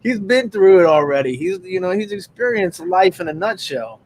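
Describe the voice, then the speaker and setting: High-pitched dude rambling thru a story, lots of likes and laughs, faint hum behind. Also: male voice, animated, normal speed, darkish tone. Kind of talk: casual chat.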